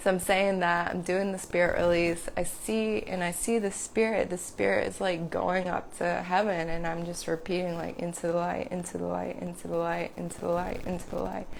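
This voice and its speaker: The speech moves at a moderate pace with hardly any pauses, and audible room echo fills the recording. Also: woman. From US South. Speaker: reiki practitioner. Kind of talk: casual livestream talk.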